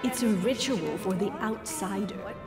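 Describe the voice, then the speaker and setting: An actress playing an arch, conspiratorial society gossip who relishes scandal in a video game. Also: female voice, medium pitch, a little slow, close to an everyday voice. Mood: gossipy, arch. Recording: echoey hall reverb with music behind.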